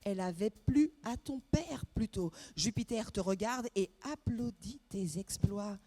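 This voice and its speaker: A woman's voice: medium pitch, animated, unhurried, mellow. A woman narrating a stage play in the second person, with a wry, musing manner and many hesitations. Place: theatre stage.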